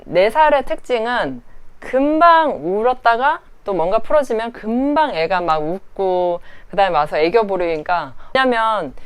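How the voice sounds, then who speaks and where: A woman's voice: medium pitch, unhurried, clean tone. A woman in her thirties, a parenting counselor, giving casual advice and acting out little scenes between mother and child. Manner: lively, acts out child and mother voices.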